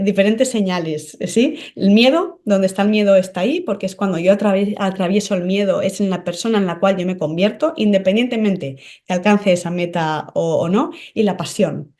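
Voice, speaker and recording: A woman's voice: mid-range voice, warm tone. A woman guest on a podcast, a medium and psychic, explaining in an earnest, teacherly way and often checking in with the host. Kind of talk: conversational podcast interview.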